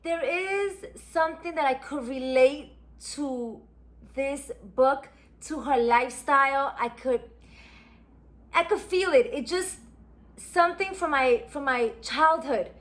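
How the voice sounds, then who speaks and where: A woman's voice: sits high, takes it slowly, a bit bright. A woman, chatting casually and reminiscing as she unboxes a subscription box. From New York. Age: 40s. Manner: chatty, reminiscing, musing aloud. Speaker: beauty vlogger.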